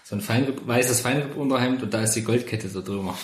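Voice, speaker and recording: A man's voice: medium pitch, fast talker. Casual male player, echoey room. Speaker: tabletop game player. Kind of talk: casual improvised game chat.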